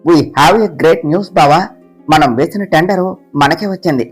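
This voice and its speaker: A man's voice: a little high, a little slow, slightly rough, faint music behind, voice pushed down. A woman doing an eager young brother-in-law. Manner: pleading, enthusiastic.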